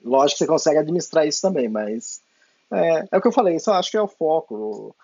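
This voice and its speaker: A Brazilian man with a Brazilian Portuguese accent hosting a podcast interview, speaking calmly and reflectively. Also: fairly high pitch, fast talker, vocal fry, breathy edge, no room sound. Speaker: podcast host. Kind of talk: casual interview conversation. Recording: dull lo-fi podcast audio.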